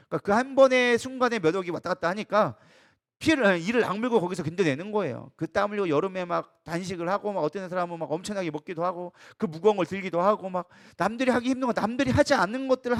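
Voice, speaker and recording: Fast-talking, high-voiced male pastor preaching. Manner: emphatic preaching with rhetorical questions. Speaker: co-lead pastor. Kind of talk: sermon. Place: church.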